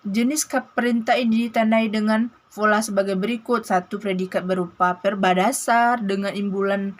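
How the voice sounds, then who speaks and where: A woman's voice: mid-range voice, steady tone, moderate pace. A young woman reading a grammar lesson aloud as a student presenter, restarting often on broken-off words and listing items one by one.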